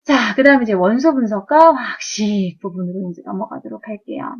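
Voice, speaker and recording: A woman's voice: mid-range voice, brisk, gravelly, slightly rough, dull audio. A woman chemistry teacher giving a live lecture to students in a classroom, chatty and always checking in with them.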